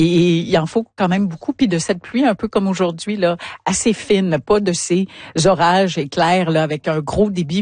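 A woman's voice: on the low side, a little mellow, dry recording. A woman hosting a morning radio show with a Québécois French accent, chatty and full of fillers and asides.

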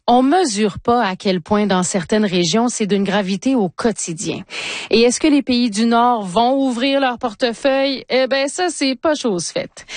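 A woman radio host presenting her show in a lively, conversational way. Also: mid-range voice, no echo.

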